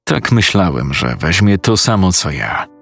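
A man with a lowish voice tells a first-person horror story, casual and crude, often poking fun at himself. Faint music plays under his narration. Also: sing-song, unhurried, creaky, fairly bright tone, slightly rough. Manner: crude, casual, self-mocking.

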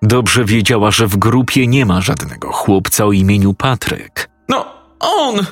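A man narrating a horror story in a measured, storytelling manner. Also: on the low side, no echo, faint music behind.

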